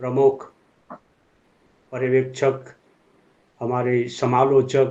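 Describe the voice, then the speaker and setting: The man's voice sits at medium pitch. His intonation is monotone and flat. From Sikkim, India. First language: Nepali (speaking Hindi). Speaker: poet. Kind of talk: formal address at online poetry reading. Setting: online event. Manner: formal; halting.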